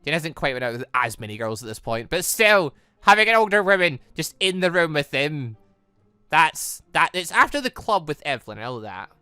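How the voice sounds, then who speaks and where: A man's voice: a little high, very animated, normal speed, sharp tone, clean tone, dry recording, soft background music. A man giving chatty, rambling let's play commentary, often correcting himself as he goes, close on the mic. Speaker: gaming channel host. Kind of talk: let's play commentary with read-aloud dialogue.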